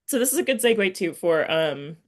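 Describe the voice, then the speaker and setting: A woman's voice: lowish voice, animated, a little fast. A woman hosting a casual literary interview, speaking informally and thinking aloud as she forms her questions. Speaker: podcast interviewer and writing teacher.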